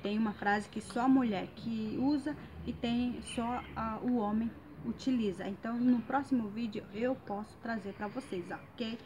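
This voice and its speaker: A woman whose first language is Guarani, with a Guarani accent, teaching phrases in a casual online lesson, slowly repeating each phrase with frequent hesitations. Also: on the high side, steady tone, a little mellow, a little hiss or hum.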